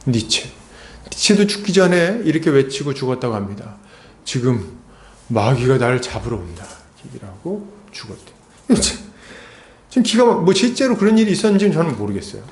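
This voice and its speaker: A man's voice: on the high side, very animated, brisk, darkish tone. A man preaching an expository sermon as a pastor, talking conversationally and asking the congregation rhetorical questions. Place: church sanctuary. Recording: echoey church hall.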